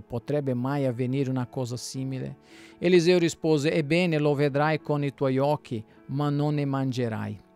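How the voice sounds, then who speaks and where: A man, a pastor, reading the Bible aloud in a plain steady way, now and then stumbling and restarting a word. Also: mid-range voice.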